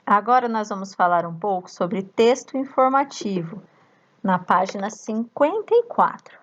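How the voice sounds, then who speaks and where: A woman teacher with a Brazilian accent, slowly reading a workbook lesson aloud to young children and chanting the syllables. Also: medium pitch, lively intonation, lo-fi sound. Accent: Brazilian Portuguese. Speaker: primary school teacher.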